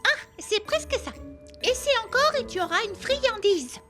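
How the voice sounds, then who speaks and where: A woman's voice: very high-pitched, animated, moderate pace. A woman playing an affectionate, perky girl in a French-dubbed children's cartoon, gushing and coaxing. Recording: music behind the voice.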